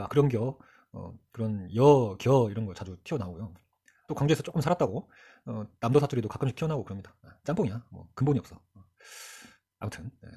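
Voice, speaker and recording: A man's voice: mid-range voice, darkish tone, slightly rough. A man in his forties with a light North Jeolla Korean accent, giving a rambling, joking history lesson. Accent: light North Jeolla Korean accent with Chungcheong features. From Jeolla region of South Korea. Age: 40s. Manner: rambling, joking, self-mocking asides. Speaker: history teacher. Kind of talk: casual lecture.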